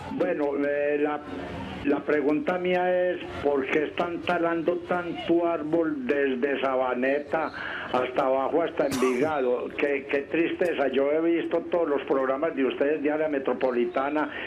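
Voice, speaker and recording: Spoken at a fairly slow pace with very even loudness and fairly even intonation, the clip has audible room echo and noticeable background noise. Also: man, fairly high pitch for a man. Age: 70s. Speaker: caller. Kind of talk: phone-in question.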